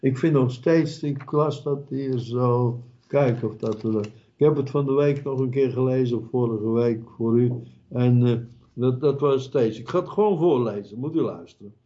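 A man preaching a sermon in a slow, emphatic way, repeating key words for weight. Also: medium pitch, warm tone, highs cut off.

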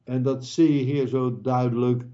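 A man preaching a sermon in a slow, emphatic way, repeating key words for weight. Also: mid-range voice, little pitch movement, dark tone, lo-fi sound.

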